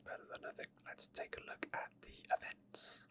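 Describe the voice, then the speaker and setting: This is unscripted ASMR commentary over gameplay, whispered gently and breathily by a gaming ASMR creator who muses aloud without rushing.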